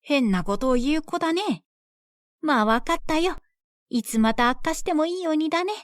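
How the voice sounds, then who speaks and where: A woman voicing a soft-hearted, worried old village mother who frets and scolds tenderly. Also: sits high, lively intonation, normal speed, no echo, studio quality. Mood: weary. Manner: fretful, scolding yet tender.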